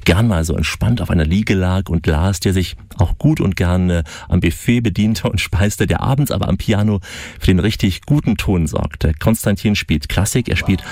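Deep voiced guy reading a travel report, calm, dry close mic. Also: moderate pace, no room sound. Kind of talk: scripted documentary narration.

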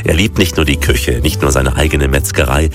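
A man's voice: a bass voice, steady tone, normal speed. A man narrating a radio travel feature in a playful, scripted way over a music bed. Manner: playful rhyming delivery. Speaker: radio travel show host.

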